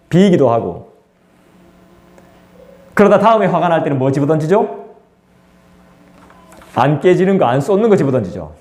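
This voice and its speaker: In a church sanctuary, a pastor preaches conversationally, acting out the voices of the people he quotes. His voice is a little high with a darkish tone, and the room sounds echoey.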